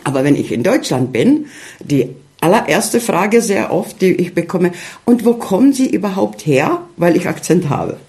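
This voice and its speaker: A middle-aged man, a guest in a casual interview, talking haltingly with many fillers as he searches for words. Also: high-pitched, very animated, a little mellow.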